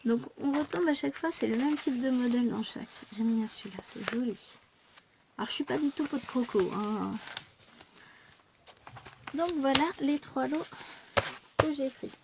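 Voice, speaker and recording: Woman, chatty, self-mocking, slightly high voice, noisy home recording. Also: normal speed, creaky, pauses often. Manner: chatty, self-mocking, exclaims over items. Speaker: vlogger showing a craft shopping haul. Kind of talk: casual haul chat.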